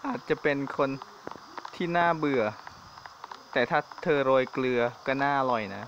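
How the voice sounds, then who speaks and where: A man's voice: medium pitch, measured pace. A man giving nervous, jokey commentary while playing a horror game, often blurting out exclamations. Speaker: gamer. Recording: dull lo-fi mic with insect noise behind.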